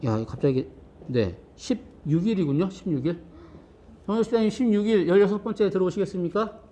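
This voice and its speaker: A man with a fairly high, bright-leaning voice greets children by name at the start of a worship service. He is playful and cheerful, counting aloud and joking as he goes. He sounds middle-aged and casual, like a pastor used to talking with kids. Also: animated, fairly quick. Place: church sanctuary.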